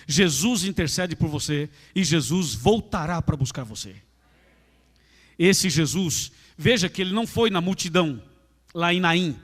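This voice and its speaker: A Brazilian man preaching a sermon as pastor, emphatic and repetitive, speaking straight to his congregation in a large church. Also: a little high. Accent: Brazilian Portuguese. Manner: emphatic, repetitive preaching, addresses listeners directly. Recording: echoey church hall.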